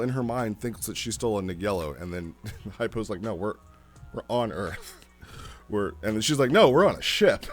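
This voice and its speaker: A man giving a casual, rambling spoken review as a host, conversational and repeating phrases as he explains things. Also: on the low side. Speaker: host reviewing role-play logs.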